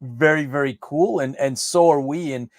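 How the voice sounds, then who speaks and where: A man's voice: a little high, moderate pace, no room sound, studio quality. A man hosting a live online interview show, chatty, often repeating words and restarting his sentences. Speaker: host.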